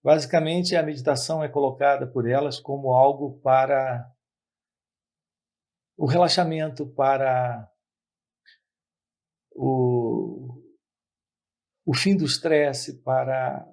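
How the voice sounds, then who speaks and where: A man giving a spiritual talk to his channel's viewers, speaking in measured phrases with repetitions and pauses. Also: medium pitch, steady tone, darkish tone. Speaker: spiritual teacher.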